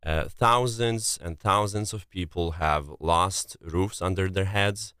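Low, smooth male voice, thick Polish accent. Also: sharp tone, no echo, clean studio sound. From Poland. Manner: halting, searching for words. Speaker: interview guest, relief coordinator. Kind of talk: interview answers.

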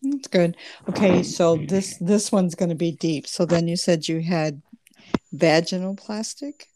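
A woman's voice: on the low side, a little slow, noisy background. A woman hosting a podcast interview who asks short, curious questions and gives brief acknowledgments. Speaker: podcast host.

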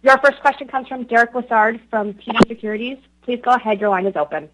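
A woman's voice: fairly high pitch, fast talker, heavy background noise. A woman working as a conference call operator, reading scripted instructions in a polished, formal announcer manner like a flight attendant. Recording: tinny phone-line conference call.

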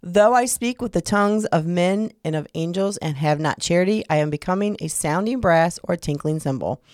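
An older woman co-hosting a Christian podcast, reading scripture slowly and laughing easily, a little nasal from a cold. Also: fairly low pitch, a little mellow, no echo, studio quality. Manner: slow, careful reading, quick to laugh. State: a little nasal from being sick. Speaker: podcast co-host. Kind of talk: casual chat and scripture reading.

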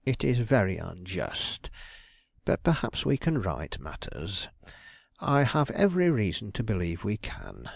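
A man playing a suave, slow-spoken detective. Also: lowish voice, huge pitch swings, creaky, dry recording, clean studio sound, heavily acted. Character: shrewd, suave older male detective.

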